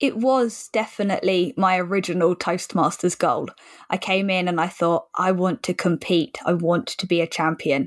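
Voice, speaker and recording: A woman with a southern English accent speaks at a medium pitch and moderate pace with ordinary pitch variation, in a very clean recording with a silent background. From England. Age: 20s. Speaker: kickboxing champion and speaker. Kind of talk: interview.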